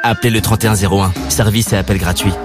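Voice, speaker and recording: A man's voice: fairly low pitch, fairly even intonation, quick pace, music in the background. A man reading a commercial for an energy deal in an upbeat advertising tone. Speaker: ad voice-over.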